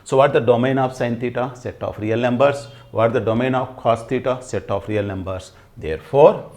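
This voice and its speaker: A man's voice: medium pitch, darkish tone. A middle-aged man with a Telugu accent teaching at a whiteboard, emphatically repeating phrases and asking himself questions. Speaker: maths teacher. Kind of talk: classroom lesson at a whiteboard. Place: indoors at a whiteboard. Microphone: lapel mic.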